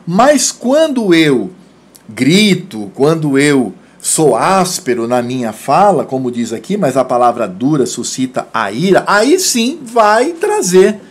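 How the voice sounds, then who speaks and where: A man with a Brazilian accent preaches a children's sermon, his voice pitched a little high. He talks slowly and patiently, pausing to explain each word to the young listeners. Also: huge pitch swings, husky. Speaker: pastor.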